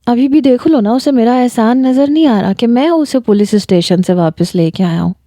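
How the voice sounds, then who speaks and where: A woman's voice: on the high side, warm tone, no room sound, studio quality, close to an everyday voice. A woman reading a story aloud and voicing a stern, short-tempered man who gives harsh orders. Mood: dismissive. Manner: harsh, commanding, scolding.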